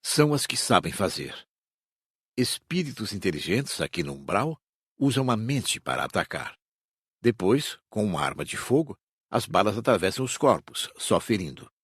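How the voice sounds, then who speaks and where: A man's voice: fairly low pitch, sing-song, moderate pace, a bit bright, husky, dry recording, studio quality, full character voice. A man with a Brazilian accent playing a firm, didactic spirit guide in an audiobook. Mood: calm, instructive. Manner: didactic, authoritative. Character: firm, instructive male spirit guide leading students. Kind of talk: audiobook character acting.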